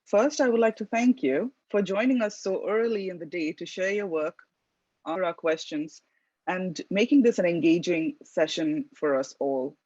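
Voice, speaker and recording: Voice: mid-range voice, normal speed, a little mellow, no echo. Dry-sounding formal panel host. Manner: polite, formal, with fillers. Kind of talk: moderating an online panel. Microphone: video call. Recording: dry, dull video call audio.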